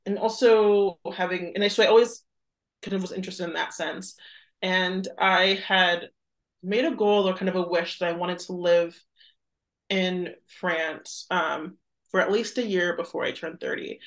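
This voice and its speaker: A young American woman in her twenties chats as a guest on a podcast. Her delivery is conversational and reflective, with "like" sprinkled through her thoughts as she works them out. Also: lowish voice. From United States. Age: 20s. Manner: reflective, frequent "like" as filler. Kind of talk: casual conversational interview.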